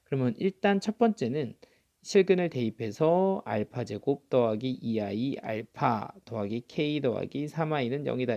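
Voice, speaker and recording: A man's voice: mid-range voice, darkish tone. Guy doing a math lecture, walks thru every step, asks himself stuff then answers it. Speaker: math tutor.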